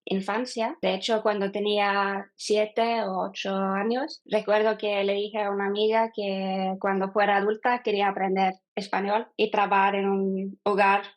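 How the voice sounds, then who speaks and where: A Norwegian woman in her thirties, a non-native speaker, answering as an interview guest, often pausing and restarting as she talks. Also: medium pitch, little pitch movement, muffled recording. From Norway. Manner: hesitant, with frequent fillers and restarts. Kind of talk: casual interview.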